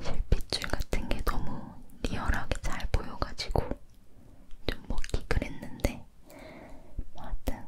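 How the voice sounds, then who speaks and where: A woman whispers, soft-spoken and at a very slow pace. Her words come out quietly and unhurried. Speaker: ASMR creator. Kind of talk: casual chat about making her videos. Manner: soft close-mic ASMR whisper. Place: home room. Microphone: studio mic.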